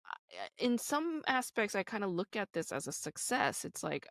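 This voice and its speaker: Woman in her thirties, podcast host, candid casual chat, medium pitch, dry close sound. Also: sing-song, normal speed, a bit bright, no room sound. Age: 30s. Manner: candid, chatty, frequent "like" and "you know". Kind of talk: casual solo podcast talk.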